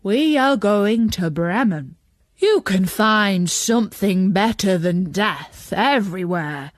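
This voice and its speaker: A woman voicing an old runaway donkey in a children's story, eager to be a musician, with a hearty, drawn-out delivery. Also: medium pitch, lively intonation, no room sound, studio quality. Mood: jovial, probing.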